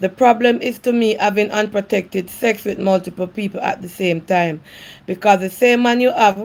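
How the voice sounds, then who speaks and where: A woman speaks with a Jamaican accent at a moderate pace. Her pitch sits in the middle range, and her intonation stays fairly even. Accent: Jamaican Patois-inflected English. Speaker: live-stream host reading viewer messages. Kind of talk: casual live-stream chat. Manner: laughing often.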